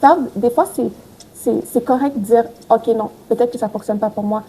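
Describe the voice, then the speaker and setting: A woman's voice: fairly high pitch, normal speed, dark tone, a little hiss or hum, low-quality recording. A young woman who grew up in Haiti and speaks, a guest talking frankly and reflectively with many fillers. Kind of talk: casual interview talk.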